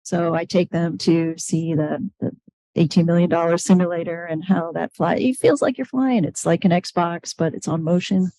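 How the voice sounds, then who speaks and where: A woman with a low, mellow voice speaks on a panel. She tells a relaxed story and acts out small quotes. The sound is dry. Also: moderate pace, no room sound, low-quality recording. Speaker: pilot and mother on a panel. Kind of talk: casual panel talk.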